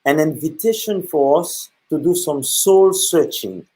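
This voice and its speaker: A middle-aged man from Haiti, a Catholic priest speaking earnestly about faith, pausing often and filling gaps with "uh". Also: fairly high pitch, animated, darkish tone, low-quality recording. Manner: earnest, with many pauses and fillers. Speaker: guest speaker. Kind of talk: reflective talk on faith.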